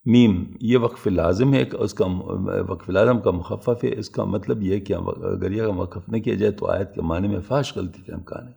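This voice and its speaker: Deep gravelly-voiced man teaching religion. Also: darkish tone. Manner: patient, methodical explaining with everyday examples. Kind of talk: explanatory religious lecture.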